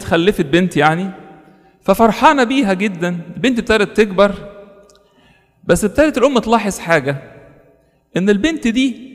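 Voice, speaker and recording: A high-voiced man with an Egyptian Arabic accent preaches at a quick clip. He tells stories and keeps asking his listeners rhetorical questions. His voice echoes with the long reverb of a hall. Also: fairly bright tone. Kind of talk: sermon.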